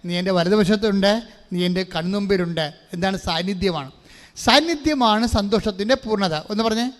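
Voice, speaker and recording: Male preacher with a high voice and long hall reverb. Leads a call-and-response sermon, asks the crowd questions and mixes in English phrases. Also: fairly quick. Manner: asks the congregation questions and has them repeat verses. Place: large church hall.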